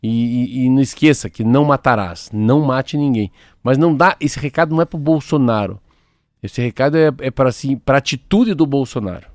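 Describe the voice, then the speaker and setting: A middle-aged man from co-hosts a talk show in loose, animated chat. He rambles and trips over repeated words. His voice is mid-pitched, and the recording is dry and close-miked. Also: brisk, dry recording. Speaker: radio talk show co-host. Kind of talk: casual chat, commentary.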